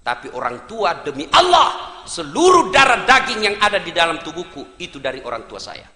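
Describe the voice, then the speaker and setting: A man preaching a humorous sermon to a congregation, emphatic and teasing, moving between quiet asides and shouts. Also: sits high, big pitch swings, normal speed. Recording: echoey hall, faint noise.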